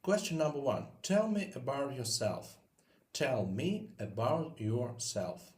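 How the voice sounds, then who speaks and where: A man's voice: medium pitch, animated, a little mellow. Man teaching in an echoey room. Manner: repeats each question slowly. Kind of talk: scripted lesson narration.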